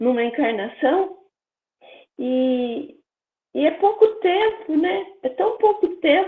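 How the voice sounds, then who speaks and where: A woman with an extremely high voice at a very slow pace, with very wide pitch swings. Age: 60s. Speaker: study group participant. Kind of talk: group discussion.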